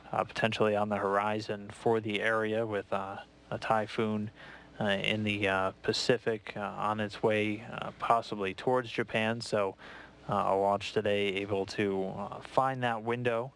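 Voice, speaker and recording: An American man giving live launch commentary in a measured, matter-of-fact way. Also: on the low side, little pitch movement, fairly bright tone, clean tone.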